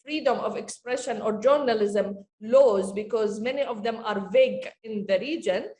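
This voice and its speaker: A woman, answering as a panelist in an earnest, measured way with frequent pauses and fillers. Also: fairly high pitch, darkish tone, a little hiss or hum. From Jordan. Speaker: panelist, media organization director. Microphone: video call. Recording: echoey room over a video call.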